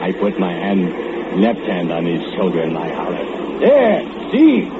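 An actor playing a brooding, murderous foundry laborer who speaks broken English with menacing low chuckles, in old radio drama style. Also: male voice, fairly even intonation, moderate pace, very noisy, close to an everyday voice. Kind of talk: 1940s radio acting. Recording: dull old radio recording with loud music.

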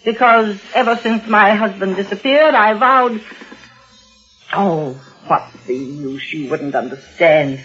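An actress playing a lonely, hysterical widow near sixty, trembling and quick to cry, in a 1940s radio play. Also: female voice, mid-range voice, expressive, fairly bright tone. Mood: anxious. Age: older. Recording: muffled old radio broadcast with music.

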